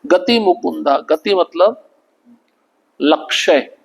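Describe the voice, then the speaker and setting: This man has a somewhat high voice and teaches a devotional scripture class. He poses rhetorical questions and answers them at once. Now and then he slows down to chant Sanskrit verses. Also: gravelly, husky, rough recording.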